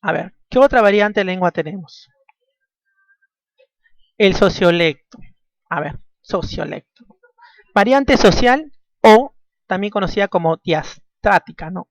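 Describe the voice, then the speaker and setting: A man's voice: high-pitched, a little slow, long pauses, no echo. A man teaching a language class, repeating key points and ending nearly every phrase with a questioning tag. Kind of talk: classroom lecture. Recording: dull dry lo-fi recording.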